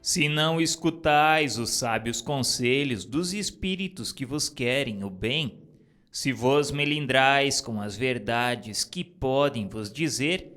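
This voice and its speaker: A man giving a measured, solemn reading of a spiritist book. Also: medium pitch, fairly bright tone, soft background music. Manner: measured, solemn, deliberate phrasing.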